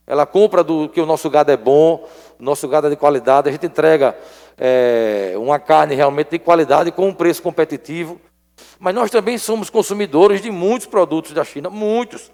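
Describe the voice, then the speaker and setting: A man's voice: a little high, creaky, a little mellow. A man, a state legislator making an emphatic floor speech and repeating his points for stress. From Alagoas, Brazil. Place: legislative assembly chamber. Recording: long reverb of an assembly chamber.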